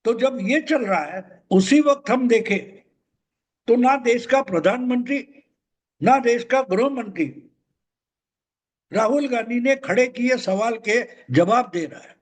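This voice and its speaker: An older man with a mother tongue talks alone on camera in a very high voice. He drives home each point emphatically and says it again for weight. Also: unhurried. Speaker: political commentator. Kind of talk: solo political commentary.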